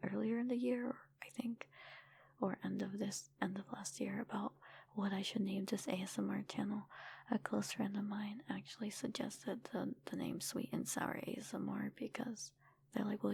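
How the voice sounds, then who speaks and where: A woman chatting casually in a soft, breathy ASMR whisper, informal and rambling, close to the microphone. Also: mid-range voice, a little hiss or hum. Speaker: ASMR creator and streamer answering viewer comments.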